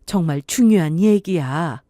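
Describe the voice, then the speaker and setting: A woman voicing a worried middle-aged mother who gives urgent, hushed orders over the phone. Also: on the low side, expressive, unhurried, no room sound, studio quality, pitched below the performer's own voice.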